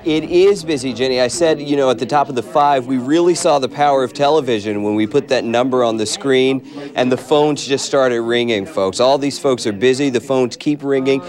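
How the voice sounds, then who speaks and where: A man's voice: mid-range voice, darkish tone. A man reporting live from a phone bank, urging viewers to keep calling. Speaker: field reporter.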